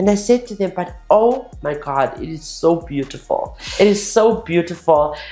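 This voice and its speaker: Over music in the background, a woman with a medium pitch talks at a moderate pace with hardly any pauses, lively intonation and big swings in loudness. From South Africa. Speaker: podcast host. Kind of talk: casual interview chat. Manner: talkative, animated.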